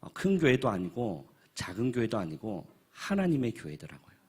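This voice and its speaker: Husky low-voiced man in his thirties. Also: wildly swooping pitch. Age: 30s. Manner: earnest, halting, with frequent filler pauses. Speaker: pastor. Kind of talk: spoken report at a church forum.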